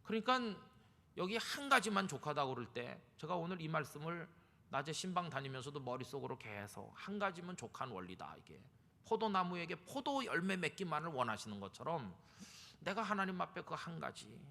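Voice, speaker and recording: Male pastor, sermon, fairly high gravelly voice, church reverb. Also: very animated, fairly quick, sharp tone. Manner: emphatic, rising to fervent appeals. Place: church sanctuary.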